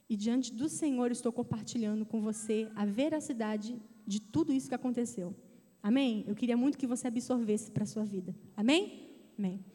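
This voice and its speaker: A woman in her thirties giving a testimony in a sermon, telling her story in a lively way and speaking directly to the church. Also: on the high side. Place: church sanctuary. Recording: church hall reverb.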